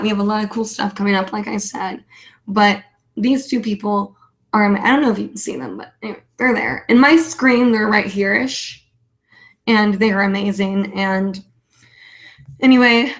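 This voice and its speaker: A woman's voice: medium pitch, normal speed. A woman hosting a casual live online show, chatting in a rambling, self-deprecating way. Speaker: host of a weekly live online hobby show. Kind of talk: casual livestream chat.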